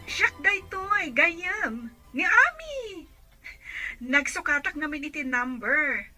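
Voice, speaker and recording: A woman's voice: high voice, big pitch swings, takes it slowly, pushed and bright, faint music behind, full character voice. A Filipino woman playing an eager, friendly hospital worker in a radio drama, gushing at a friend. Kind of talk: Ilocano radio drama acting.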